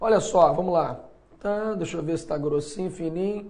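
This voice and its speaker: Shouting, a man speaks in an animated tone. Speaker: math teacher. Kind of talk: live online lesson. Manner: loud, tends to shout.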